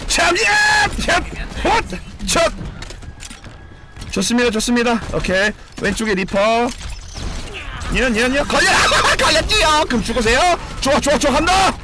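A man streaming a competitive game, commenting live, cheering teammates and shouting and swearing as he plays. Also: very high-pitched, unhurried, very noisy. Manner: excitable, shouts and swears during play; cheers on teammates with repeated calls.

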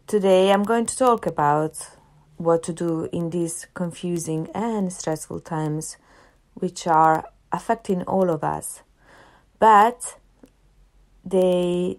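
A woman's voice: lowish voice, a little mellow. A woman with an Italian accent hosting a solo podcast, talking earnestly and repeating phrases for emphasis. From half Italian, family in Italy. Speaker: podcast host.

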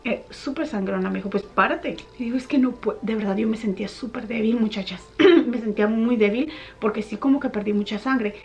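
A young woman vlogger casually telling a personal story to her viewers, animated when she retells what people said. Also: fairly high pitch, brisk, faint music behind.

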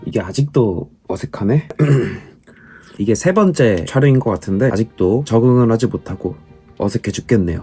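Mellow-voiced Korean man chatting casually. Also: medium pitch, slightly rough. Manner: self-deprecating, joking asides. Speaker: YouTuber reading viewer comments. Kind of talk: casual vlog chat.

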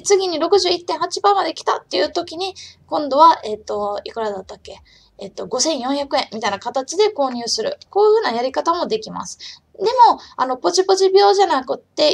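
A woman hosts a live-streamed trading lesson in a chatty, casual way, talking to herself, reading viewer comments aloud, and referring to herself by name in the third person. Her voice is on the high side, creaky, with a breathy edge, and her throat is just recovering from soreness.

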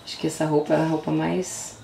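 A young woman with a Brazilian Portuguese accent and a slightly low voice gushes through an unboxing in a casual vlog. She talks in an exclamatory rush, sinks into hushed whispers and breaks into sudden squeals. The room sounds roomy, with a faint hiss of noise underneath. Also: little pitch movement, fast, gravelly. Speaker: vlogger. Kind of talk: album unboxing chat.

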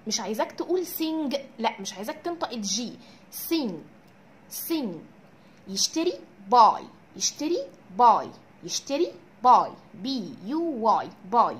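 A woman with an Egyptian Arabic accent teaching English vocabulary, drilling each word with slow repetitions and asking and answering her own questions. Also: a little high, slight background noise. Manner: drills words with slow repeated pronunciation. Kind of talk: recorded classroom lesson.

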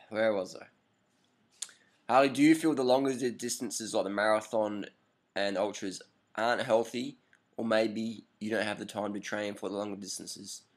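Aussie guy in his 30s, lowish voice, rambling webcam vlog, keeps repeating himself. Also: fairly even intonation, moderate pace, long pauses. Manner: rambling, emphatic, repeats phrases. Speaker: vlogger answering viewer questions. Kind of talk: casual advice vlog. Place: indoor room with curtains, at night. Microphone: laptop webcam up close.

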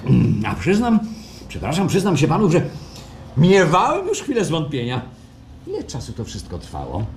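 An actor in a radio play playing an effusive, courteous, inquisitive clinic administrator, with halting, fawning politeness. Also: male voice, on the high side, huge pitch swings. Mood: ingratiating, curious. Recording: faint background noise, live stage.

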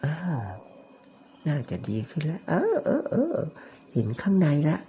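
A man narrating an ear-cleaning demonstration, talking in a deliberately raised, soft, falsetto-like voice with chatty, joking asides. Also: expressive, a little hiss or hum.

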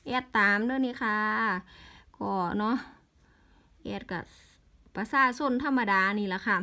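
A woman's voice: fairly high pitch, fairly bright tone. A woman with an Isan accent in a casual vlog, rattling off lottery number strings and breaking into exasperated grumbles.

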